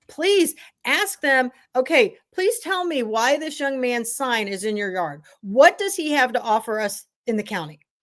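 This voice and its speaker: A woman speaks loudly in a high pitch with an animated tone and very wide pitch swings, on a very clean recording with a silent background. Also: fairly slow pace. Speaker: political podcast co-host. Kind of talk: casual political chat. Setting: live stream.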